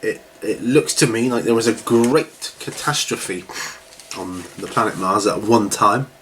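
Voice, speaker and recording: A man's voice: on the low side, fairly even intonation, a little slow, fairly bright tone. A middle-aged man with a slightly congested voice, chatting casually and in a rambling way as the host of a video series. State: recovering from a cold, with a cough. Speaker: host of a hobby question-and-answer video series. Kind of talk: casual chat to camera. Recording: clearly noisy home recording.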